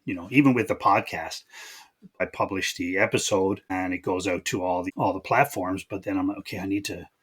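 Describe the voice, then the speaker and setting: A man's voice: sits low, steady tone, fairly quick, a bit bright, husky. A man hosting a podcast, interviewing in a casual, conversational way.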